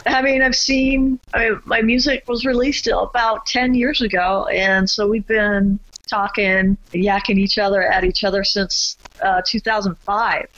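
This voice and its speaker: A woman's voice: mid-range voice, steady tone, measured pace, few pauses, fairly bright tone, no echo. A woman chatting casually as a podcast guest over an internet call. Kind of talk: casual chat. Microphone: online video call. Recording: dull internet call audio.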